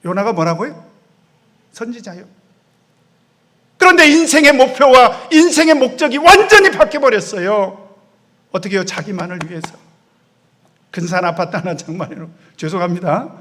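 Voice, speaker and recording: A man preaching a sermon, acting out quoted voices and swinging between loud outbursts and soft asides. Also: sits high, animated, normal speed, long pauses. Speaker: pastor.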